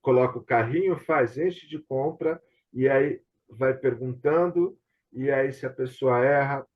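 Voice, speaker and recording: A man's voice: mid-range voice, a little slow, narrow, tinny audio. A Brazilian man hosting a casual conversation about theatre and television, speaking hesitantly and often seeking confirmation. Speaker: host. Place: remote online video session.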